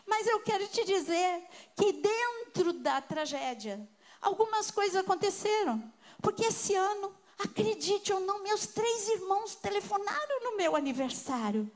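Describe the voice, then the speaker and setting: An older Brazilian woman preacher giving a sermon with personal testimony, telling her story with emotion and swinging between soft and loud. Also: very high-pitched, big pitch swings, a little slow.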